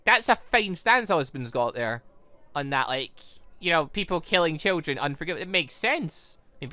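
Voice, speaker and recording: Lively, bright-voiced man rambling over a game. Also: a little high, dry recording. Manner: rambling, self-interrupting. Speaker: gaming channel host. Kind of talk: casual playthrough commentary.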